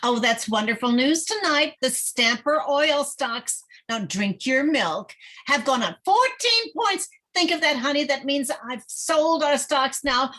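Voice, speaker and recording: A woman playing an anxious, prudish small-town mother who chatters and nags excitably in a dramatic screenplay reading. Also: a little high. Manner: excitable, nagging, emphatic. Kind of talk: dramatic screenplay table read.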